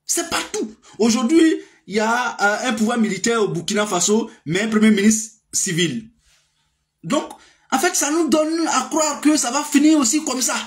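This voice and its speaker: A man's voice: extremely high pitch, normal speed. A man, giving a casual political monologue with many fillers and emphatic outbursts. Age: 30s. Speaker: political commentator.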